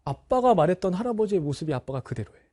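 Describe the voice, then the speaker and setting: Husky, lively-pitched male teacher. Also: fast. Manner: candid, personal storytelling, addresses students directly. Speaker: Korean language teacher. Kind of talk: talk to students.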